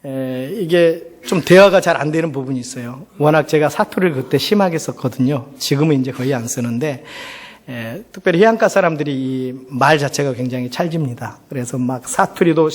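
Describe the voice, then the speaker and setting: Middle-aged male pastor, higher-pitched voice, conversational storytelling sermon, rhetorical questions, long hall reverb. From South Korea. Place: large church hall.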